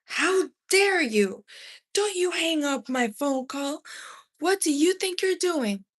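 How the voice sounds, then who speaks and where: A woman reader plays a furious, defiant mother in a memoir read aloud. Her voice jumps high and loud, scornful and emphatic, as she berates her husband. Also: expressive, slow pace, full character voice. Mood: indignant. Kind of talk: audiobook read-aloud character voice.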